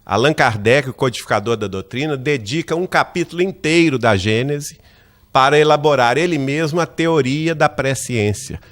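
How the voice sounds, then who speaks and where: A man from Minas Gerais with a Brazilian Portuguese accent, giving a lecture at a spiritist center. He tells a personal story in a lively way and acts out the lines of the people in it. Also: medium pitch, moderate pace. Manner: lively narrator who acts out quoted dialogue, often asks "né?".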